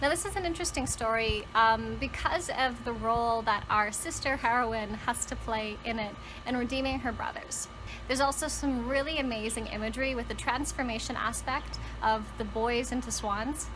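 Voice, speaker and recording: A woman's voice: fairly high pitch, moderate pace, music in the background, poor audio. A woman talking casually and enthusiastically to viewers as a book vlogger, conversational and leaning on words for emphasis. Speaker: book vlogger and storytelling channel host.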